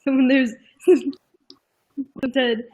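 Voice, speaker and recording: Husky-voiced woman, playful on video call. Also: high voice, drawn-out words, dull audio. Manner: animated storyteller, playful teasing. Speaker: livestream guest. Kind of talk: casual livestream chat.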